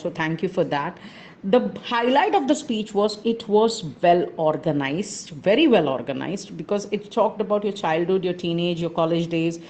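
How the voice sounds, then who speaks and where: A woman's voice: fairly low pitch, darkish tone, a little hiss or hum. A woman with an Indian accent giving a structured, emphatic speech evaluation as a recorded message. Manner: measured, structured, emphatic on key points.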